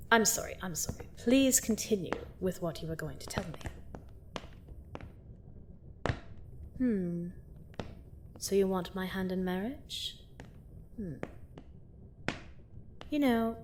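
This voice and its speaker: A woman's voice: medium pitch, a little mellow, slight background noise. A woman playing a seductive, gloating vampire queen in a fantasy audio drama, theatrical and mock-sweet as she menacingly toys with her captive. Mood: teasing mock-sweet. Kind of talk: scripted roleplay audio drama monologue.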